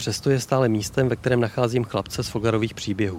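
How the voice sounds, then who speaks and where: A plain, everyday voice moves along at a fairly quick pace, its pitch varying in an ordinary way. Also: man. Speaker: composer and sound designer, narrator. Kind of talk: scripted literary narration, reflective audiobook-style reading. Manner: contemplative, evocative, soft-spoken.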